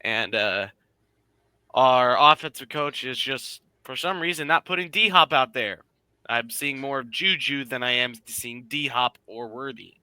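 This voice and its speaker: A man's voice: mid-range voice, measured pace, bright, forceful tone, clear, resonant tone, no echo. A young man co-hosting a sports show who chats casually and gripes bluntly about his team. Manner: blunt, joking fan griping.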